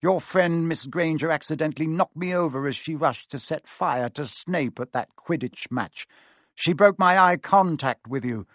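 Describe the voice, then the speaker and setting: A coolly menacing schoolmaster villain, acted by a male narrator. The voice is sharp, smug and deliberate, a shade high and very dry. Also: dry recording. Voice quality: cold, sharp. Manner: cool, mocking, deliberate.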